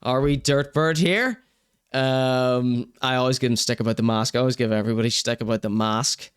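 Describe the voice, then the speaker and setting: A man's voice: medium pitch, fairly even intonation, normal speed, smooth. A young man with a Northern Irish accent hosting a live stream, reading chat comments and giving blunt, wry opinions. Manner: wry, blunt, swears casually, laughs at his own jokes. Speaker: show host.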